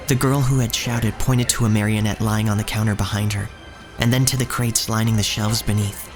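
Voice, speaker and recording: An actor playing an earnest, uneasy young shop boy, narrating his own story in a measured, literary way. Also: lowish voice, steady tone, over music, lightly acted. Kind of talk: first-person scripted narration in audio drama.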